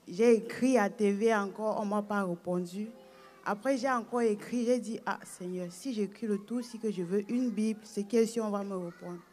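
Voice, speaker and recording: A woman's voice: medium pitch, mellow. A woman from Cameroon, telling her story in church and hesitating as she goes. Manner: long unbroken telling with hesitations. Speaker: churchgoer giving a testimony. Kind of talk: personal testimony at the front of the church.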